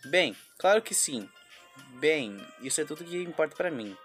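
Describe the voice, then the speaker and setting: A man's voice: on the high side, lively intonation, normal speed, fairly bright tone, soft background music. Brazilian man reading game dialogue. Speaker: Vtuber. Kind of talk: reading a visual novel aloud.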